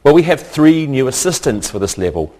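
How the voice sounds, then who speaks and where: A man's voice: medium pitch, very animated, a little fast, mellow. A man hosting a scripted English lesson, speaking carefully and repeating words for learners. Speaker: English teacher and host.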